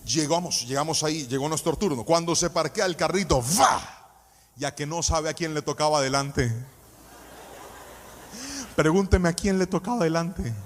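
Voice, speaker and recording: A man's voice: a little high, normal speed, long pauses, a little hiss or hum. A man preaching a sermon, passionate and storytelling, often singing out his phrases.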